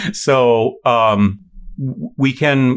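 Little can be heard in the background. The voice belongs to a man. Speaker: university voice professor and singing teacher. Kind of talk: educational interview. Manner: explanatory, casual.

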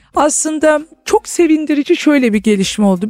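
The sound is close and dry, with no echo. A woman talks with lively intonation at a moderate speed. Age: 50s. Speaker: restaurant chain founder. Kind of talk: interview.

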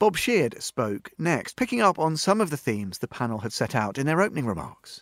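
A man speaks at a fairly quick pace with very wide pitch swings and vocal fry. The recording is very clean with a silent background, and the sound is dry and close with no echo. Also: fairly high pitch for a man, hardly any pauses. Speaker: radio host. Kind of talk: radio presenter narration introducing highlights.

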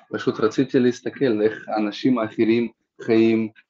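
A man with a Russian accent speaks at medium pitch. His pace is fairly slow. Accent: Russian accent in Hebrew. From Russia, Ural region. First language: Russian (speaking Hebrew). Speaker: doctor, recent immigrant. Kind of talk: interview.

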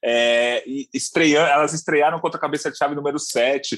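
On a very clean recording with a silent background, a man with a plain, everyday voice speaks at a moderate pace in a fairly high pitch with fairly even intonation. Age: 30s. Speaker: sports journalist, co-host. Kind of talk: casual chat.

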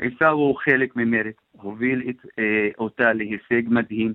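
The speaker talks with an Arabic accent. The pace is very slow. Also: man. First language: Arabic (speaking Hebrew). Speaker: party campaign director, politician. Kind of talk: radio interview.

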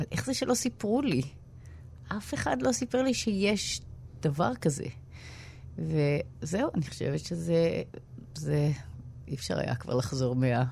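Leaving long, frequent pauses, a woman speaks very slowly. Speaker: Kabbalah scholar. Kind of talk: casual chat. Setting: studio.

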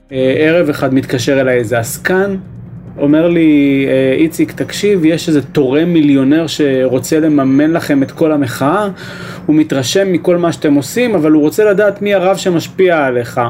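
Fairly high in pitch, a man speaks at a moderate pace with ordinary pitch variation and very even loudness. Noticeable background noise sits behind him. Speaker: media consultant and activist. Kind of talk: personal testimony.

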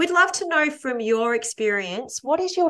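Speaking with an Australian accent, a woman has a bright, sharp tone. Her pitch swings very widely at a moderate pace. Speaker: podcast host, health coach. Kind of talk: interview.

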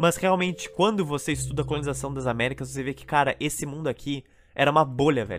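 Talking at a very fast pace, a man with a fairly high pitch shows big swings in loudness. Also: ordinary pitch variation. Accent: Brazilian. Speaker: podcast host. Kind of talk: casual chat, history storytelling.

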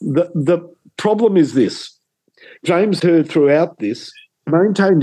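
Speaking at a fairly slow pace, a man with an Australian accent uses lively intonation and a dark, mellow tone. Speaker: sports and music podcast co-host, deli owner. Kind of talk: casual chat.

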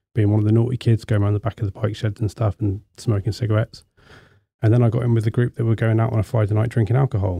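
A man with an English accent talks very fast at a medium pitch, in a monotone, flat intonation. His voice is dark, mellow and somewhat breathy, with a dry, close sound and no echo. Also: very even loudness. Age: 40s. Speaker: author. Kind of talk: casual chat.

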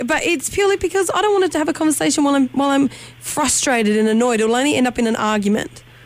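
A woman with an Australian accent talks very fast in a high voice, her pitch swinging very widely while her loudness stays very even over noticeable background noise. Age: 30s. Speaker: radio host. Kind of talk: casual chat. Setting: studio.

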